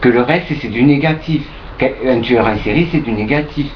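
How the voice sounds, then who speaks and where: Noticeable background noise runs under a man who speaks at a moderate pace, his pitch varying in an ordinary way. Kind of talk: casual monologue. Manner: halting, many repetitions and fillers.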